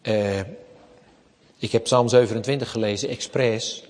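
A man preaching a sermon as pastor, slow and emphatic, often rising to raised, forceful passages. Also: medium pitch, steady tone. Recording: long church reverb.

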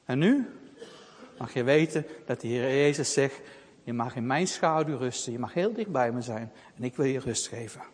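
A man voicing a gentle, devout old grandfather who talks softly and soothingly. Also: medium pitch, animated, breathy edge, voice pushed down. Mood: tender. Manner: slow, soft and soothing. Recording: long reverb.

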